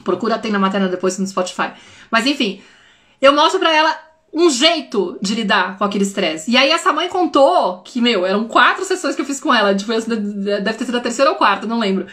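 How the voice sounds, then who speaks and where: Woman, 30s, parenting educator hosting a casual live stream; chatty and expressive, a little high-voiced. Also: brisk. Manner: expressive, chatty, addresses viewers often.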